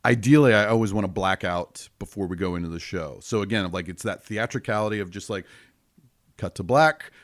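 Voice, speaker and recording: A middle-aged man with a deep voice, an improv performer and teacher talking casually in a podcast interview, often acting out bits of scenes. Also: no echo, studio quality. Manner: animated, acts out quick bits of scenes with laughs.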